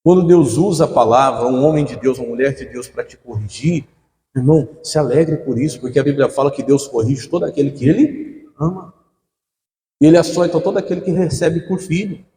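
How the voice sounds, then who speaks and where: Preaching pastor in an echoey church. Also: male voice, medium pitch, brisk, dark tone. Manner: call-and-response preaching, asking the congregation to fill in words. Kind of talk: sermon. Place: church hall. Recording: echoey hall.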